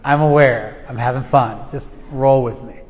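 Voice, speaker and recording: A man's voice: medium pitch, steady tone, moderate pace. Casual lecturing man in a reverberant hall. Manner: casual, conversational, joking asides. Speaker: spiritual teacher. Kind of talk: informal class lecture. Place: class venue with reverb.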